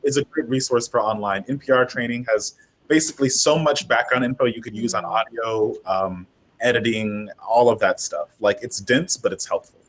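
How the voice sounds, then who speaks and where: Husky-voiced man chatting on a panel. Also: medium pitch, normal speed, a bit bright, low-quality recording. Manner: rambling, self-interrupting. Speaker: panelist, fiction podcaster. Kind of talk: casual panel discussion. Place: online video panel.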